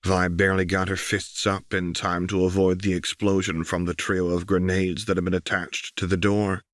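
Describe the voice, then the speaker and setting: A man's voice: low-pitched, little pitch movement, normal speed, no echo, studio quality. A man reading an audiobook as scripted, dramatic story narration. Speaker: audiobook reader.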